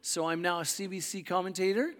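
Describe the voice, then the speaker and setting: A middle-aged man from Canada, a pastor with a hoarse voice, preaching a sermon in a casual, rambling way with many fillers and restarts. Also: sits high, brisk, a bit bright. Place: church hall. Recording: long hall reverb.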